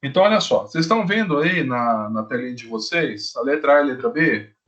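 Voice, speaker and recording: A man teaching chemistry in a live online class, talking to students with frequent check-ins and slowing down to stress key rules. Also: medium pitch, dull audio. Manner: lively, repetitive teacher talk, often checks in with "tá?".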